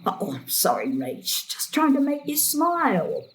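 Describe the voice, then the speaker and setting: A woman's voice: sits high, huge pitch swings, a little slow, full character voice. An actress playing a querulous, mischievous old grandmother, grumbling and theatrical, in an audio drama. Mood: sheepish.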